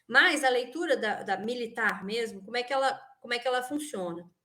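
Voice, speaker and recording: With a Minas Gerais accent, a woman speaks at a high pitch with lively intonation and a bright, sharp tone. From Minas Gerais, Brazil. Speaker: researcher and professor. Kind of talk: interview.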